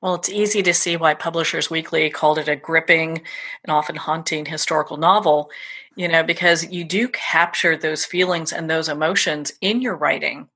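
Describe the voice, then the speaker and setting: Woman, interview host, sharp bright voice, conversational, effusive, admiring. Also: on the low side. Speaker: radio or podcast interview host.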